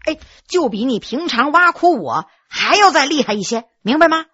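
Woman putting on a young guy scholar, low-ish and earnest, dry close mic. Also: sing-song, measured pace, bright, forceful tone, breathy edge, no room sound, muffled recording, heavily acted. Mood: coaxing. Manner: lowered, earnest, coaxing. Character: calm, clever young male scholar friend.

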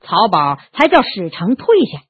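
A woman reading a story aloud in an expressive narration style. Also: moderate pace, slightly rough, no echo. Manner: expressive reading, swinging in pitch. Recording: tinny narrow phone-like sound, dry.

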